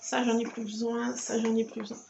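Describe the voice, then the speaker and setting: Working on a craft project at her table at night, a woman who hosts scrapbooking videos chats to camera, talks herself through the work and fusses over her cat. Her somewhat high, creaky voice stays level in tone and moves a little fast. The audio is dull and very noisy.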